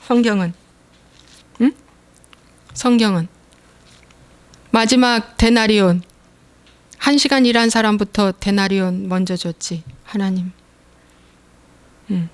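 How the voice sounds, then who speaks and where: A woman's voice: medium pitch, a little slow, pauses often, clear, resonant tone. A woman pastor preaching a sermon, acting out prayers and complaints and asking the congregation rhetorical questions. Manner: animated, acts out quoted prayers and complaints; drops to hushed whispers at times.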